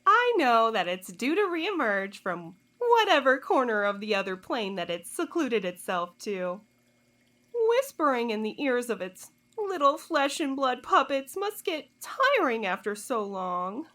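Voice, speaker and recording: Woman playing a high, swooping, smug informant. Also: very animated, unhurried, a bit bright. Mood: cool, philosophical. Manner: teasing, condescending, theatrical drawl. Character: sly, smug woman informant, coolly taunting her interrogators. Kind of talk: audio drama acting.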